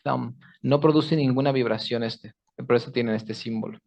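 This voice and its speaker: A man's voice: medium pitch, steady tone, moderate pace, vocal fry, darkish tone, lo-fi sound. A man teaching pronunciation in an online class, explaining patiently step by step and checking in with his students. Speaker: English teacher.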